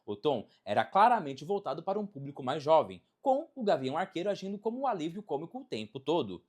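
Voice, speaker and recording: A Brazilian narrator delivers a scripted video essay at a medium pitch. The intonation is very animated, rising and falling widely. Phrasing is emphatic and dramatic, built to present and explain. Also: fast.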